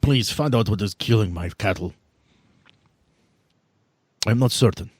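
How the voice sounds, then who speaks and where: A man playing a proud, formal vampire official who is weary of bureaucracy and speaks in measured phrases. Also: lowish voice, husky, no room sound. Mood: businesslike.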